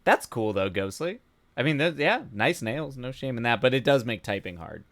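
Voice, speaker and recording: A man hosting a casual live stream, rambling with halting restarts and laughing often, his voice starting to go hoarse. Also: mid-range voice, sing-song, fairly bright tone, no room sound, studio quality. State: voice going hoarse. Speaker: streamer host.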